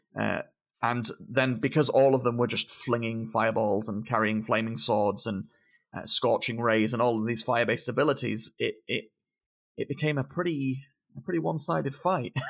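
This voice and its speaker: A man's plain, everyday voice at medium pitch. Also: ordinary pitch variation, moderate pace. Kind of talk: casual chat with product news segment.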